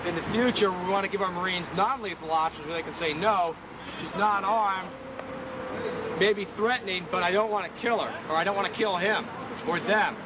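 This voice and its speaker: A man's voice: high voice, moderate pace, recorded from a distance. A man explaining things on location outdoors as a military spokesman. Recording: loud crowd and outdoor noise.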